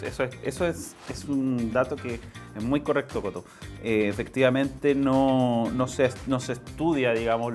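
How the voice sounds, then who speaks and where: A man with a Chilean accent giving conversational political commentary as an interview guest, explaining things haltingly and repeating phrases for emphasis. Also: medium pitch.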